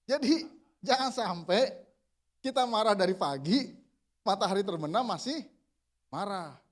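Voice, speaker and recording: A man's voice: high-pitched, lively intonation, measured pace. A man, a pastor preaching to a men's group in a casual, conversational way, answering his own questions and slipping into everyday slang.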